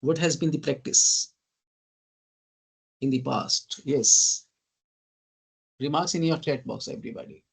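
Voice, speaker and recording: A man with an Indian English accent, giving an online teaching lecture. He keeps asking "right?" and often says "ladies and gentlemen.". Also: on the high side, measured pace, vocal fry, long pauses, husky. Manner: lists terms in emphatic bursts. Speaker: guest lecturer.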